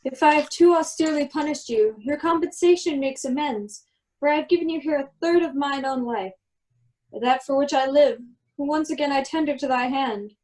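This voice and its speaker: High-pitched woman as commanding magician duke. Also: darkish tone, close to an everyday voice, poor audio. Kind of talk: Shakespeare performed as a radio play.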